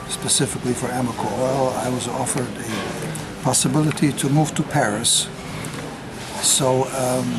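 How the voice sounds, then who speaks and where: Halting older man over loud noise. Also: medium pitch. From United States. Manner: halting, with frequent filler pauses. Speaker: retired sociologist giving a personal account. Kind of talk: unscripted spoken testimony.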